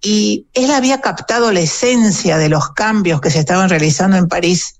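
A woman's voice: medium pitch, moderate pace. A woman with an Argentine Rioplatense accent, a guest historian and author, explaining eagerly and chattily with plenty of fillers. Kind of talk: conversational interview.

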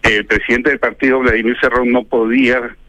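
A man's voice: medium pitch, little pitch movement, brisk, sharp tone, muffled recording. A man giving political commentary as a guest in a radio interview, arguing emphatically with ironic asides.

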